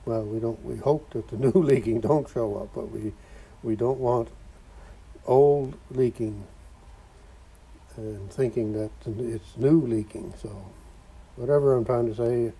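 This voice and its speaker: A man's voice: mid-range voice, a little slow, creaky, mellow, husky, low-quality recording. A man rambling in a folksy way while filming in his cluttered home workshop garage. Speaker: vlogger. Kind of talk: casual workshop vlog.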